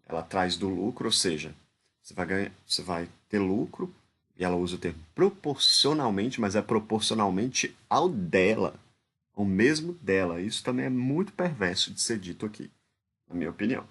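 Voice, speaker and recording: Man, Brazilian accent, informal commentary, very deep voice, husky, hesitant with frequent restarts. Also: animated, normal speed, fairly bright tone. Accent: Brazilian Portuguese. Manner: hesitant, restarts often, keeps adding tag questions. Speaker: discourse analysis commentator.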